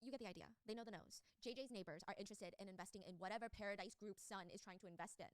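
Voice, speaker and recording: A young woman retelling a true scandal story to a co-host, animated and sarcastic, swearing freely. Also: mid-range voice, racing, no room sound. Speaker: storyteller YouTuber.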